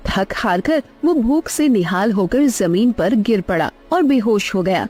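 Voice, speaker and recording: A woman narrating a cartoon story in an expressive, dramatic way. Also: mid-range voice, unhurried, slightly rough, soft background music.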